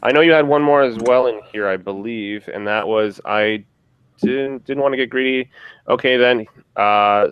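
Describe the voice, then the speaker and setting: A man hosting a casual podcast chat about a tabletop game, relaxed and rambling, with many fillers and restarts. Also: fairly low pitch, clear, resonant tone, no room sound, lo-fi sound. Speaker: podcast host.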